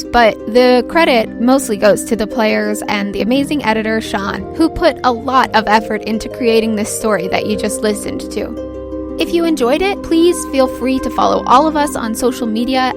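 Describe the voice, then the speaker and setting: A woman hosting as game master, narrating an improvised tabletop game. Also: on the high side. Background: background music.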